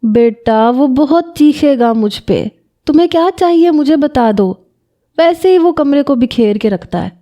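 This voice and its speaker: A woman's voice: sits high, animated, warm tone, voice pushed up. A woman voicing an anxious older aunt in an audio story, pleading and worried.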